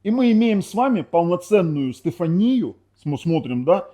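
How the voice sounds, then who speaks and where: Pitched high with big swings, his warm voice moves at a moderate pace. The tech reviewer, a native Ukrainian speaker, rambles through a relaxed TV box demo full of self-corrections and sarcastic remarks.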